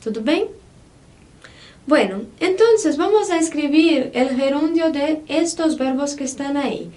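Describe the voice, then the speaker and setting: A woman with a high voice gives an online Spanish lesson. She explains patiently and in small steps, and keeps checking that her students follow along. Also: animated, measured pace, dark tone. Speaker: Spanish teacher.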